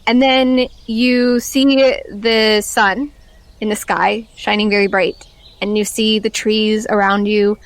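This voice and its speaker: A woman improvising narration as the game master of a tabletop role-playing game, in halting, pieced-together phrases. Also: medium pitch, little pitch movement, no echo.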